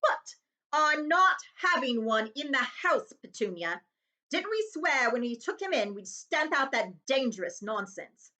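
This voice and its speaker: A woman's voice: high-pitched, big pitch swings, a little slow, pushed and bright, voice pushed up, full character voice. Woman putting on a blustering, bullying uncle. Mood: agitated. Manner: barking, snapping, muttering. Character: blustering, bullying, panicky middle-aged uncle, a man. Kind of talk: children's storybook read-aloud.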